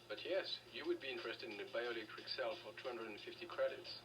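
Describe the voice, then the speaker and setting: A man's voice: medium pitch, fast talker, distant mic, over music, lightly acted, low-quality recording. An actor playing a shady, haggling black-market dealer in a video game, with a sly salesman's manner. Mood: coaxing. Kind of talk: video game dialogue acting.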